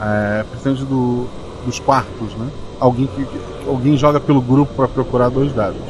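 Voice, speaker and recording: Amid noticeable background noise, a man talks at a moderate pace and medium pitch with fairly even intonation. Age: 30s. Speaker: game master and podcast host. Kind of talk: tabletop RPG narration.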